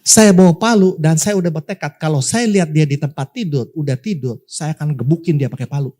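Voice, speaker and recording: A male pastor tells a story from the pulpit with lively swings in his delivery, slipping into the voices of the people in it. His voice sits a little higher than most men's. He keeps turning to address the congregation directly. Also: brisk. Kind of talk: sermon storytelling.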